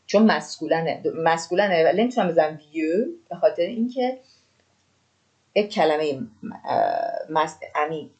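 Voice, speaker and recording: A Persian-speaking woman teaching beginner French, reading example lines slowly and explaining fast. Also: sits low, darkish tone, low-quality recording. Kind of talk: language lesson for beginners.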